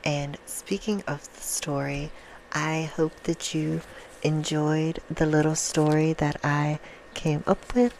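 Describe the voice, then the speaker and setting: A soft-spoken woman chatting casually and affectionately to her viewers in an ASMR style, with an informal, self-deprecating manner. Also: low voice, steady tone, slow pace, a little hiss or hum, rough recording. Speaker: ASMR video creator and host.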